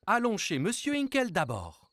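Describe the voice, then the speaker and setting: Animated, kindly cartoon dad. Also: male voice, sits high, moderate pace, dry recording, heavily acted. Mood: cheerful. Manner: reassuring, good-natured. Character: calm, kindly young father. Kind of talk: animated children's cartoon dialogue.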